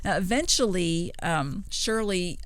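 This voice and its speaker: A woman's voice: lowish voice, expressive, a little slow, no echo. A woman co-hosting a podcast, casually retelling paranormal stories in a conversational, chuckle-prone way. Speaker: podcast co-host.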